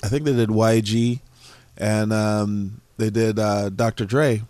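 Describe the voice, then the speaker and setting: A middle-aged man from Jamaica, a museum founder and guest, talking casually in a relaxed way with frequent pauses. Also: on the low side, no echo. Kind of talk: casual conversation.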